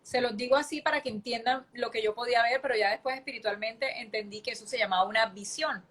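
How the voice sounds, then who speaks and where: A woman in her late thirties tells her personal faith story in an interview. Her voice sits a little high, and she narrates in an earnest, vivid way. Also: fast, a bit bright. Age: late 30s. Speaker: guest giving testimony.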